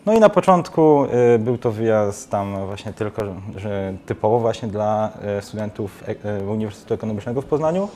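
A man's voice: fairly low pitch, expressive, a little fast, hardly any pauses, mellow, slight background noise. A young man in his twenties, a guest in a TV studio, talking casually with many restarts and fillers. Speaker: guest, student trip organizer.

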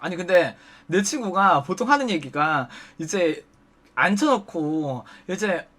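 A woman's voice: fairly low pitch, lively intonation, unhurried, fairly bright tone. A woman telling a crude, gossipy comic anecdote in casual chat, swearing freely. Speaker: comic storyteller.

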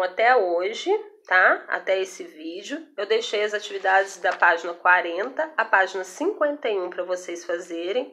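A young Brazilian woman teacher explaining a grammar lesson in a recorded video, patiently and with frequent check-ins to her students. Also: medium pitch. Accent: Brazilian Portuguese. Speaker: Portuguese teacher.

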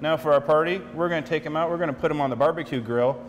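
A man's voice: a little high, rapid-fire, big-room sound, slight background noise. A man in his forties, a chef walking through a cooking demonstration step by step in a studio kitchen. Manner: explanatory, steady step-by-step instructions.

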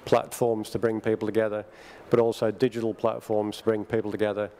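Low gravelly man on a panel. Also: level tone, mellow. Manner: measured, hesitant with frequent ums. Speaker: panel speaker. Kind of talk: conference panel talk. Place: large conference hall stage. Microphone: desk microphone on a stand.

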